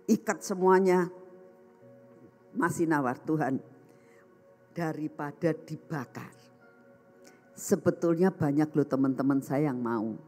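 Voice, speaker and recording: A woman preacher delivers a sermon as a lively story, her pitch leaping up and down as she acts out the voices of the people in it. She keeps turning to address the congregation directly. Soft music plays faintly behind her. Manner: addresses the congregation as brothers and sisters. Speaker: evangelist preacher.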